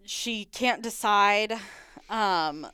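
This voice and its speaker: Giggly woman with a very clear voice. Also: mid-range voice, very slow, sharp tone, no echo. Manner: giggly, frequent laughing. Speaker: podcast host. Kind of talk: casual chat recapping a reality show.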